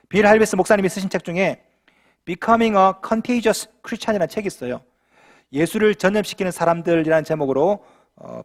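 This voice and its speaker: A male pastor giving a humorous, lively sermon full of rhetorical questions in a church. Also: very high voice. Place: church sanctuary.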